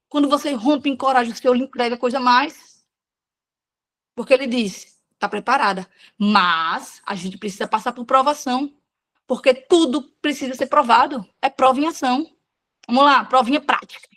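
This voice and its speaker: Woman, high voice, casual frank devotional talk w/ slang. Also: fairly bright tone. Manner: frank, conversational preaching with slang. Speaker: devotional speaker.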